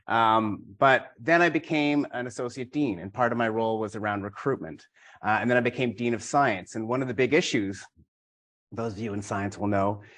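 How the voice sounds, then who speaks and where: A middle-aged university administrator, a man, giving a measured, matter-of-fact conference talk. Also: fairly low pitch, fairly bright tone.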